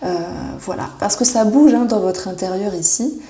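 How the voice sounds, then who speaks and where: A woman giving a monthly horoscope tarot reading, reassuring and often pausing with fillers as she searches for words. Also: medium pitch, dark tone. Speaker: tarot reader. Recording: echoey room.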